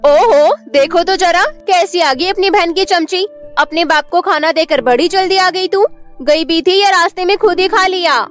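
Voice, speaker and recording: Actress as a scornful cartoon stepmother, high and sharp, scolding constantly. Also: normal speed, faint music behind. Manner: shrill, scornful, nagging. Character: scolding mean stepmother, middle-aged woman. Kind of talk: cartoon voice acting.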